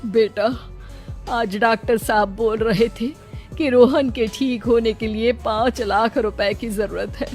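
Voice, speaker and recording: A woman's voice: a little high, steady tone, a little slow, darkish tone, faint music behind, close to an everyday voice. A woman voicing a worried elderly village mother-in-law in a cartoon, talking in a pleading, fretful way. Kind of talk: cartoon voice acting.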